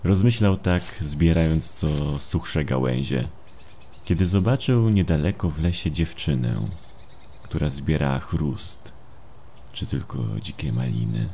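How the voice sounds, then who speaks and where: Very deep, gravelly male storyteller. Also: animated, unhurried, a little mellow, slight background noise. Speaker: audiobook narrator. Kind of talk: scripted horror story narration, dramatised. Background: atmospheric sound effects.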